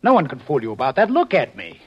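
A man's voice: a little high, huge pitch swings, fast talker, breathy edge, lo-fi sound, full character voice. An American man acting an agitated, indignant husband in a 1950s radio science fiction drama, with emphatic delivery. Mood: desperate, pleading. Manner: emphatic, exasperated, swooping delivery. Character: agitated, indignant husband, a future security chief.

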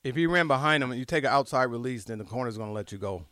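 A middle-aged man chatting casually about his football days as a former player, telling stories in an animated way and repeating himself. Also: medium pitch, racing, no echo, studio quality. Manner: animated storytelling, repeats phrases, says "dude" often. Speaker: former college football quarterback, show guest. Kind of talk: casual sports chat, reminiscing.

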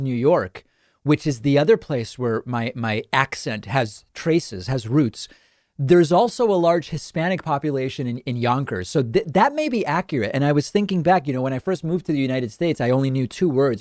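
A man's voice: medium pitch, a little mellow, no room sound, clean studio sound. A man hosting a political talk show with a southern western New England accent, talking in a chatty, digressive way with frequent restarts. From grew up in southern western New England. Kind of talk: casual monologue.

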